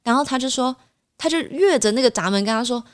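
Brief: woman podcast host, lively storyteller who acts out quotes. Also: fairly high pitch, fast talker. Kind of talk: casual chat.

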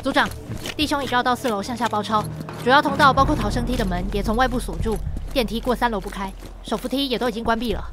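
A woman's voice: a little high, fast, over music, lightly acted. An actress with a Taiwanese accent playing an earnest young female police officer in a radio drama. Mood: urgent reporting.

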